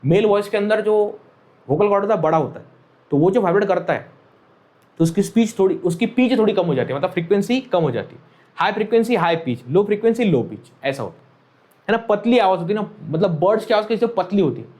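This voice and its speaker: High-voiced male physics teacher, repetitive. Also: animated, fast, a little mellow. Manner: repeats key phrases, checks understanding often; mixes Hindi with English terms. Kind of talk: classroom lecture.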